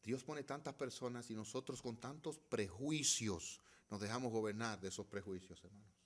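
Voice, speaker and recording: A middle-aged male pastor preaching a sermon, swinging between loud, emphatic passages and hushed ones, and asking the congregation rhetorical questions. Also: lowish voice, moderate pace.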